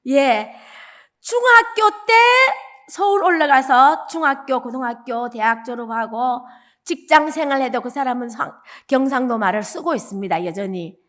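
Woman evangelist from Gyeongsang, high-pitched, lively storytelling preacher. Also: moderate pace. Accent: Gyeongsang Korean. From Gyeongsang region, South Korea. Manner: animated storytelling, acting out quoted lines. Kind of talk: dawn service sermon.

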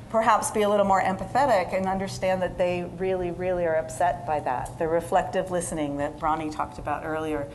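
A woman's voice: fairly low pitch, darkish tone, slight background noise. A woman in her forties, a physical therapist, giving a conversational conference talk from a stage, with fillers and quoted asides. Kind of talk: conference lecture.

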